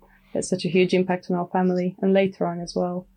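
A woman talks as a herbalist guest, soft-spoken and thoughtful. She pauses often on "you know". Her voice sits a little low and mellow, and its pitch stays fairly flat. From Romania. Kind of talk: casual interview.

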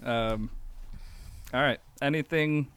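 A man's voice: medium pitch, slow pace, fairly bright tone, smooth, no room sound. A man hosting a casual gaming podcast, chatty and joking, laughing often as he talks. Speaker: podcast host.

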